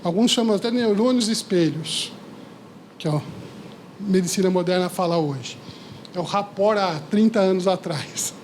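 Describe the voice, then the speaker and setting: A man giving a lively seminar talk to a live audience, often asking the listeners questions. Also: sits high, moderate pace, a little hiss or hum. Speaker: speaker at a seminar. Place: lecture hall with audience.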